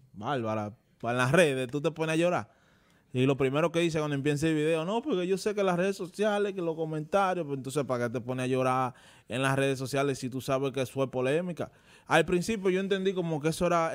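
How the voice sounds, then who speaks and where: A man's voice: medium pitch, smooth. A man with a Dominican Spanish accent co-hosting a talk show, scolding and indignant in a studio debate, stumbling over his words as he tells anecdotes.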